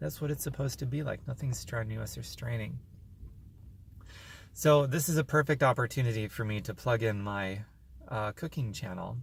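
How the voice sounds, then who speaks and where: Speaking with an American accent at a medium pitch, a man sounds somewhat breathy, uses ordinary pitch variation and leaves long, frequent pauses, in a very clean recording with a silent background. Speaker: health and lifestyle vlogger. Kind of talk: casual talk to camera.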